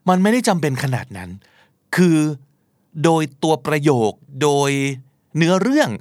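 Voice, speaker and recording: Male talk host, animated delivery, casual and slangy, dry studio sound. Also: fairly high pitch, normal speed, no echo. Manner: lively, conversational, slangy, with emphatic asides. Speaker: podcast host teaching English.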